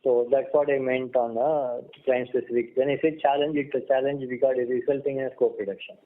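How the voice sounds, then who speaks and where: A man's voice: mid-range voice, little pitch movement, brisk. Indian man on a muffled phone line. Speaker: company executive answering analysts. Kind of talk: unscripted earnings call answers. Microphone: telephone conference line. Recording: muffled phone-line conference call audio.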